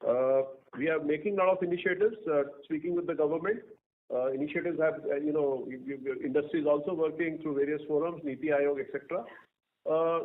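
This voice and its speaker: A man with an Indian accent speaking as a company executive, answering analysts in a halting way and repeating words. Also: fairly high pitch, fairly even intonation. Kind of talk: answering analysts on an earnings call. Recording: narrow tinny phone-line sound.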